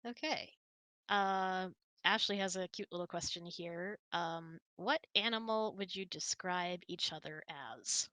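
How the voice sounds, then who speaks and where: A woman's voice: lowish voice, a little slow, bright, forceful tone, no room sound. A woman hosting a casual online hangout, chatting and answering audience questions in a giggly manner. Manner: giggly, laughs often while talking.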